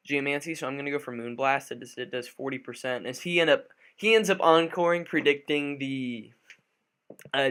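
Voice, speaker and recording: Guy just woke up, little raspy, lots of uh and um while he plays and explains. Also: mid-range voice, a bit bright. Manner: thinks aloud with frequent fillers and restarts. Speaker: gaming commentator. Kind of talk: live gameplay commentary.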